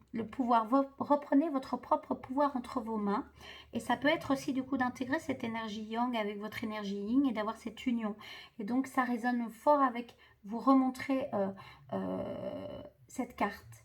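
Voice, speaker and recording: A woman's voice: on the high side, moderate pace. A woman doing a spiritual card reading for viewers, hesitant and full of fillers and restarts. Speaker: tarot card reader.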